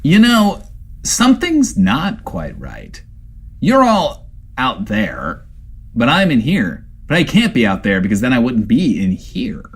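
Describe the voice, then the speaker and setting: An actor playing a neurotic, self-doubting radio host in a post-apocalyptic comedy audio drama, rambling and stammering theatrically. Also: male voice, medium pitch, wildly swooping pitch, slow, husky, exaggerated voice. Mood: anxious, bewildered. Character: neurotic, self-doubting male bunker-dwelling radio host, putting on bravado. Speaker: radio show host character.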